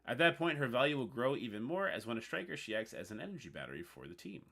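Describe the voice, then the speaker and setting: A man from Newfoundland with a Newfoundland accent, hosting a casual livestream. He reads on-screen text aloud haltingly and chats with his viewers. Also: medium pitch, sing-song, creaky, fairly bright tone. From Newfoundland, Canada. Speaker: livestream host.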